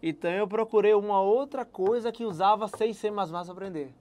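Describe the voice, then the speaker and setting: A young man from Salvador with a Bahian accent, a guest telling his career story in relaxed casual chat and laughing at himself. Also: sits high, brisk. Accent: Bahian Brazilian Portuguese. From Salvador, Brazil. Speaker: guest software engineer.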